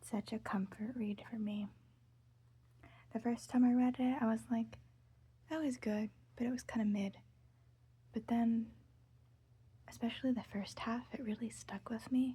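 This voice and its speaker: Soft-spoken, the speaker keeps a moderate pace with long, frequent pauses. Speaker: ASMR creator. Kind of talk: casual ASMR show and tell.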